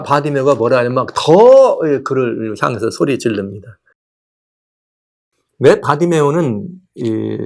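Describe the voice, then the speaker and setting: A male pastor giving a lively sermon, often putting rhetorical questions to the congregation. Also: medium pitch, vocal fry. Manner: animated preaching, asks rhetorical questions.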